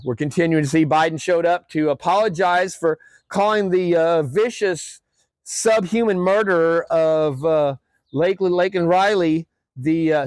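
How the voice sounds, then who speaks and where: A man hosting his own vlog, rambling in casual chat with many fillers and pauses, ranting opinions. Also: fairly high pitch, dry recording. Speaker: vlog host.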